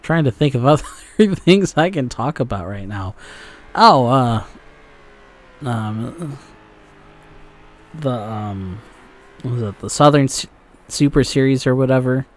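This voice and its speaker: A man's voice: medium pitch, lively intonation, takes it slowly, pauses often. A young man casually commentating a racing game as he plays, rambling with lots of fillers and the odd curse. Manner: rambling with frequent fillers and profanity. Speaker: gaming channel host.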